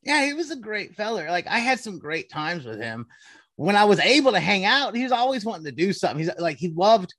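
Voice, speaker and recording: A man's voice: high-pitched, sing-song, a little fast, fairly bright tone, dry recording. A man hosting a podcast, easygoing and folksy in casual conversation. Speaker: podcast host.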